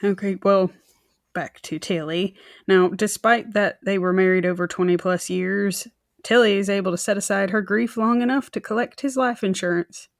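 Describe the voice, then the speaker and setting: A woman's voice: medium pitch, steady tone, normal speed, dry recording, clean studio sound. A woman co-hosting a true crime podcast, telling the story in a chatty, informal way with wry, joking asides. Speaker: podcast co-host presenting the case.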